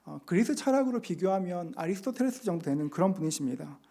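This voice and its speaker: A middle-aged man preaching a sermon as pastor, earnestly explaining scripture and slowing down to read passages aloud. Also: high-pitched, lively intonation, gravelly, dark tone. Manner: earnest, slows to read scripture and act out quotes. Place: church sanctuary.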